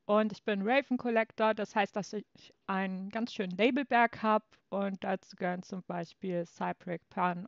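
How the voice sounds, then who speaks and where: A person in their mid twenties from western Germany, a guest on a podcast who reels off a long list of terms. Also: female voice, medium pitch, dry recording, highs cut off. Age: 20s.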